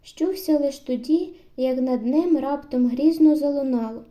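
A woman narrating a literary audiobook story in a measured storytelling manner with steady phrasing. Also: sits high.

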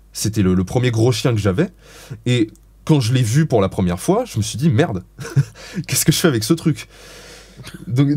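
A man's voice: mid-range voice, warm tone, slightly rough, no echo. A man giving dog-training advice as an interview guest, explaining in a frank, blunt way with casual swearing.

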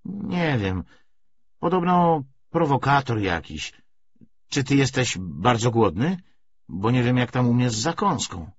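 A man's voice: mid-range voice, big pitch swings, a little slow, breathy edge, dry recording, dull audio, exaggerated voice. A man voicing a world-weary, resigned woman in a wartime audiobook. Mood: downcast.

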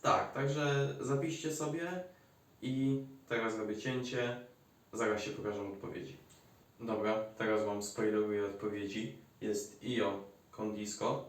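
A Polish-accented man gives a whiteboard grammar lesson in a chatty, joking way. His voice sits fairly low. He is recorded at a distance from the mic in a room that is full of echo. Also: steady tone, measured pace. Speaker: Italian language teacher.

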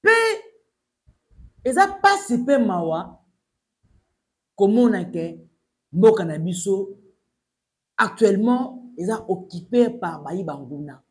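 A young man with a Congolese accent delivers urgent news commentary in a high voice, switching between French and Lingala. He speaks emphatically from a small plain room. He sits facing the camera as he talks. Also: sing-song, takes it slowly, pauses often. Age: young adult. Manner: emphatic, urgent, gesturing while addressing the camera.

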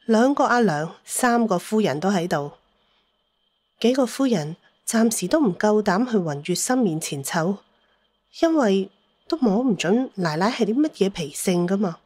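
A woman narrates a scripted adventure story as an audiobook. Her pitch is average for a woman. The recording is dry and close, with no room sound. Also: animated, a little slow, a little mellow, no echo.

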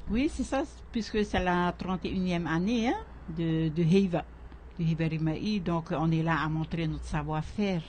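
Older woman, lowish voice, inviting tone, faint room hum behind. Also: moderate pace, a little mellow. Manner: inviting, echoes the other guest's words. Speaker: guest, craft federation president. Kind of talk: radio studio interview. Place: radio studio. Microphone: studio microphone on a stand.

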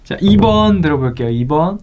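A man's voice: fairly high pitch, lively intonation, normal speed, darkish tone, muffled recording, slight background noise. A game segment on an online talk show, a lighter-voiced man in his thirties presenting with swooping intonation. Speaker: interview show host. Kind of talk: lively quiz-game hosting. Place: small studio with acoustic foam, seated at a table.

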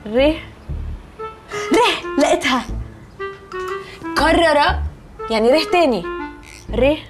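A woman's voice: high-pitched, animated, takes it slowly, over music. A woman with an Egyptian accent playing a naive rich young woman who fusses over spelling every letter. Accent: Egyptian Arabic. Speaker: classmate working on a project. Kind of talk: sitcom acting.

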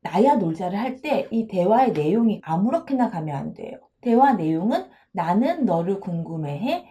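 Lively, playful woman psychologist. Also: medium pitch. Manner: playful, expressive, acts out dialogues. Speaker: counseling psychologist. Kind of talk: video lecture on self-esteem.

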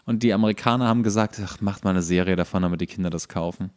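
Male podcast co-host, lowish voice, informal, detailed explainer of trivia. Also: very fast, darkish tone, clear, resonant tone. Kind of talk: casual chat.

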